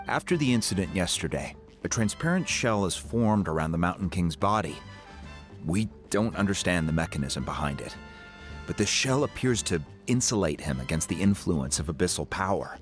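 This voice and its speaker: A man voicing a calm, thoughtful tribal chief who explains events in a game cutscene. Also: sits low, moderate pace, faint music behind. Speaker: tribe chief.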